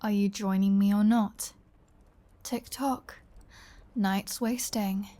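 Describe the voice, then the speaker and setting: A woman acts out a female vampire in an ASMR audio drama, speaking at a slow, savoring pace in a medium register. She is flirty and sardonic, with playful menace under the teasing. Her delivery is close and intimate, ready to sink toward a whisper. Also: mid-range voice, fairly even intonation, warm tone, close to an everyday voice. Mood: impatient, teasing. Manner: teasing, sardonic, drawling, drops into breathy whispers. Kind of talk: ASMR audio roleplay, intimate scripted acting.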